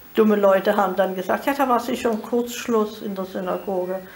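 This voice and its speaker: Fairly even intonation and a moderate pace carry the speech over noticeable background noise. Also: woman. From Dresden. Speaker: Holocaust survivor, contemporary witness. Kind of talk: interview answer. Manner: conversational, recollecting.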